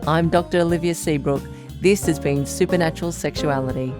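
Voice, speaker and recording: Low-voiced woman acting as radio advice doctor. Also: over music, lightly acted. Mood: warm sign-off. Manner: reassuring, deliberate, clearly phrased. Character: calm, supportive female radio advice doctor. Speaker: radio call-in show host. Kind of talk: radio advice show, measured delivery.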